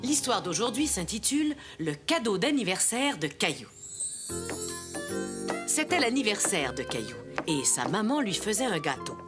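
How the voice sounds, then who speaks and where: Animated storyteller grandmother, played by a woman. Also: mid-range voice, normal speed, music in the background, close to an everyday voice. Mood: inviting. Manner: expressive, clearly phrased. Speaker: narrator. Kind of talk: scripted children's storytelling.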